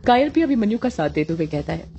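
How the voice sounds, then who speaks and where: A woman narrating a horror audio story in a steady, measured scripted way. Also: mid-range voice, gravelly, dull audio. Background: faint music.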